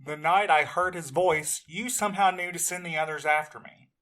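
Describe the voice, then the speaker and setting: A man playing a bright-voiced, pressing courier. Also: fairly high pitch, normal speed. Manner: pressing, accusatory. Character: anxious, determined young male courier. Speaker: courier in an audio drama.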